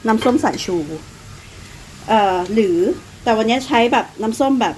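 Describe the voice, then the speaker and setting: This vlogger's voice sits a little high and a little mellow, at a normal speed, in a poor recording with faint hiss or hum. She's a Thai woman in her thirties, Northeastern accent, chatting casually while cooking at home and using her own nickname for herself. A phlegmy cough comes through too.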